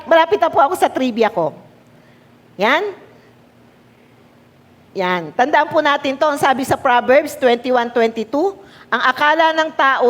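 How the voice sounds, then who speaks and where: Filipina lady pastor preaching, high voice, lots of church hall echo, keeps asking the crowd amen. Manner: mixes Tagalog and English, asks the congregation for responses; repeats key words for emphasis. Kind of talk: sermon. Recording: long hall reverb.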